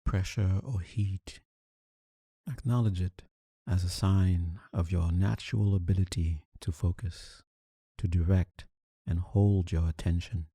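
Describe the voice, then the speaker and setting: A meditation teacher guides a meditation in calm, soothing, deliberate short phrases separated by long pauses. His low voice has a breathy edge, and the studio-quality recording has no echo.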